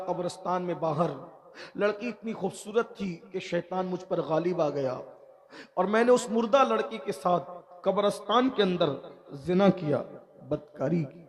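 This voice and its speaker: A man preaching a sermon, telling a story with passionate repetition. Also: high voice. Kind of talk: religious sermon at a gathering.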